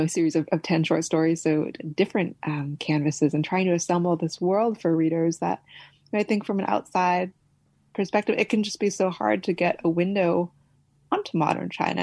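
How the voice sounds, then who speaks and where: A woman's voice: lowish voice, dry recording. A woman from California, an author, answering interview questions thoughtfully, with frequent fillers. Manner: thoughtful, with fillers and soft laughs. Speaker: author guest.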